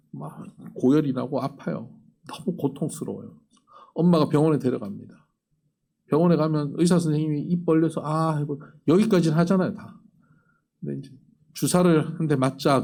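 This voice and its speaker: A man preaching a sermon as pastor, acting out little dialogues and sinking to a soft near-whisper for the tender lines. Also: mid-range voice, gravelly, breathy edge.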